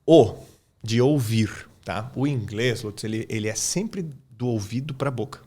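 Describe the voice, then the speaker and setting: A man's voice: lowish voice, animated, measured pace, mellow. Casual Brazilian man teaching English. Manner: informal, keeps checking in with "tá?" and "cara". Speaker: English teacher, podcast guest. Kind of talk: casual explanatory podcast talk.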